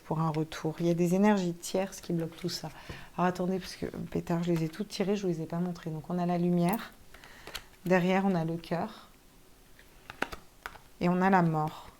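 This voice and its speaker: A woman's voice: lowish voice, flat delivery, moderate pace, mellow, slight background noise. A woman giving a casual tarot reading to viewers, chatty and thinking aloud, with some casual swearing. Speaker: tarot card reader.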